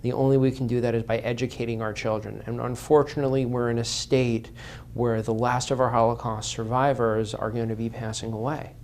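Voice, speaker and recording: A man's voice: mid-range voice, little pitch movement, brisk, darkish tone, slight background noise. Impassioned man, earnest interview guest. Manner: impassioned, repeats phrases for emphasis.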